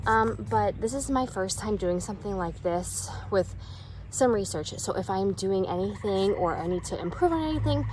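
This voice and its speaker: Strolling her backyard with a phone camera, a woman casually shows off her plants and gets winded as she works. Her mid-range voice is animated and a little mellow at a moderate pace, and the rough recording carries slight background noise.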